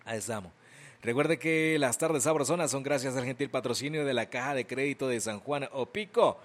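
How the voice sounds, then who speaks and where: Chatty Salvadoran radio DJ with a cold. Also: male voice, medium pitch, a little fast. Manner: chatty, self-joking, reads listener messages. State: getting a cold, sore throat. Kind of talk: casual radio chat and read ads. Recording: radio broadcast with music behind.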